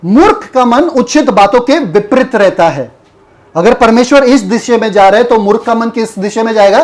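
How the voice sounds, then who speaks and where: A man's voice: very high-pitched, expressive, moderate pace. A man preaching a Bible lesson who keeps asking his listeners questions and repeating their answers. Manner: mocking role-play of a foolish person. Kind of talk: Bible teaching sermon.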